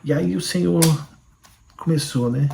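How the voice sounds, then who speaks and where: A middle-aged man with a Brazilian Portuguese accent, telling his personal faith testimony in an animated, fervent way. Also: a little high, a little slow, vocal fry, a little hiss or hum. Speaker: Christian YouTuber giving a testimony. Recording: roomy echoing room.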